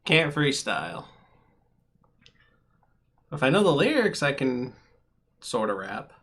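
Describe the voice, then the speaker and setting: A man's voice: medium pitch, big pitch swings, slow pace, a bit bright. A man acting as game master in an online tabletop game, talking with many ums and restarts over a home voice-call mic. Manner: hesitant, filler-heavy narration.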